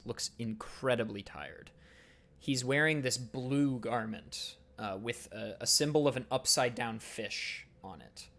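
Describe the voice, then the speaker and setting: Male game master narrating scenes; relaxed, descriptive, mid-pitched.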